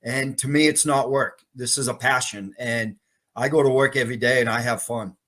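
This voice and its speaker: A man's voice: medium pitch, steady tone, normal speed, fairly bright tone. A man in his fifties from Massachusetts, a sales professor telling stories cheerfully as an interview guest. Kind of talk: interview storytelling.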